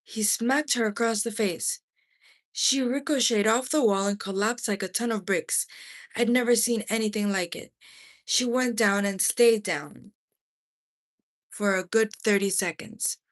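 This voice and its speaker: A woman reading a memoir aloud as expressive narration, in deliberate phrases with dramatic pauses. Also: medium pitch. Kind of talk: expressive audiobook-style narration.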